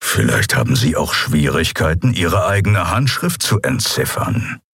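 A gruff hooded beast-man, played by a male narrator, growling out short, blunt remarks. His voice is low and husky, with a slow delivery. The recording is dry and close. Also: big pitch swings, fairly bright tone, no echo, exaggerated voice.

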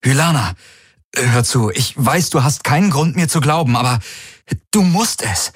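A man's voice: medium pitch, expressive, moderate pace, husky, dry recording, clean studio sound, pitched above the performer's own voice. A man voicing a desperate young man who pleads urgently with a woman he betrayed. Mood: pleading.

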